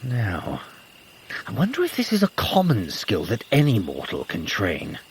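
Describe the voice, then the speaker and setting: An actor playing a sly, playful trickster god in an audio drama, smug and teasing, with arch, formal, theatrical phrasing. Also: male voice, on the low side, wildly swooping pitch, unhurried, a little hiss or hum, full character voice. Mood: smug, pleased. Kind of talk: scripted audio drama acting.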